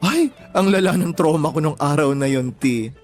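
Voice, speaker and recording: A man's voice: on the high side, moderate pace, a little mellow, lightly acted. An actor plays a young gay Filipino man in an audio drama. He is campy and sassy, telling things theatrically in casual slang over a music bed. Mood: dramatic, sassy. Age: young adult.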